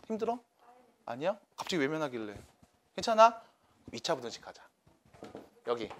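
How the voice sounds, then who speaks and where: A man's voice: on the high side, a bit bright. A man teaching a math class to students, coaxing and checking in with them by name.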